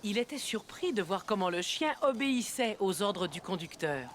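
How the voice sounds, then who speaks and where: A woman narrating a children's cartoon like a gentle storybook reader. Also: mid-range voice, animated, normal speed, background noise, close to an everyday voice.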